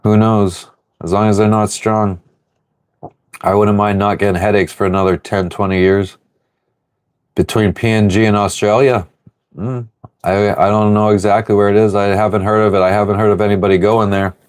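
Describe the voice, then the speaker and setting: A man hosting a casual livestream from his sailboat, reading viewer comments aloud and rambling through relaxed answers. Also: lowish voice, normal speed. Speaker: livestream host answering chat. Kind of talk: casual live chat. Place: on board a sailboat.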